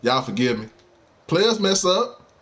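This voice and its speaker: Husky guy streaming, talks slow but gets real worked up, pitch jumps all over. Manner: animated, heated sports banter with slang; talks straight to viewers. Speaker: game streamer. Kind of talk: casual live-stream chat.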